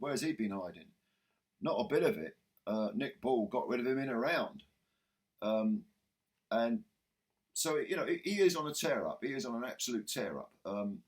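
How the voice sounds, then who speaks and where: Guy, hoarse, losing his voice, husky and rambly, lots of ums. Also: on the low side. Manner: chatty, rambling with fillers and restarts. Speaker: boxing channel host. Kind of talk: casual video commentary.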